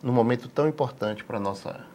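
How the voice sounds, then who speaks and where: A man in his sixties from Salvador with a Bahian accent, a physician answering interview questions in a measured, halting way, repeating words as he thinks. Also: medium pitch, darkish tone, a little hiss or hum. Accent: Bahian Brazilian Portuguese. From Salvador, Bahia, Brazil. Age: 60s. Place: TV studio.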